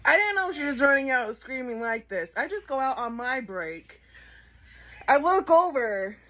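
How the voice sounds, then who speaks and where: A woman's voice: sits high, big pitch swings, normal speed, pushed and bright, low-quality recording. A woman guest telling stories in casual chat, blunt and swearing freely. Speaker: guest co-worker.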